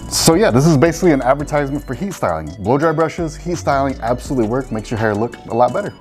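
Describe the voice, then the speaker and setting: Man in his forties, salon owner, reaction commentary, wry, lively pitch, faint music behind. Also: fast talker. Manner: animated, wry and opinionated. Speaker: salon owner and show host. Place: salon with product shelves, indoors.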